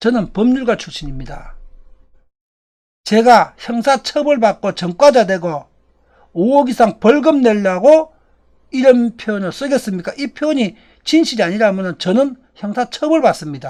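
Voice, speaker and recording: A fairly slow pace with long, frequent pauses, on a very clean recording with a silent background. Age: 60s. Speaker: economics lecturer. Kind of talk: lecture. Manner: emphatic.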